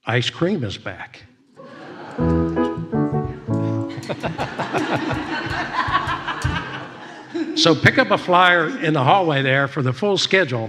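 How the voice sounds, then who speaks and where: A man speaks as host of a church gathering, making informal announcements to the congregation. He has a medium-pitched voice and an upbeat, exclamatory way of talking. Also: fairly bright tone.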